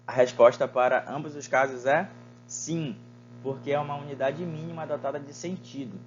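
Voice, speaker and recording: A man's voice: fairly high pitch, steady tone, moderate pace, lo-fi sound. Didactic man teaching a lesson. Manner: didactic, rhetorical questions to students, frequent fillers. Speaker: Portuguese teacher. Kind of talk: recorded online lesson.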